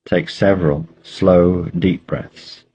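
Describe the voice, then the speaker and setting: A man leading a guided meditation, giving slow, measured instructions with pauses between phrases. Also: deep voice, fairly even intonation, dark tone, husky.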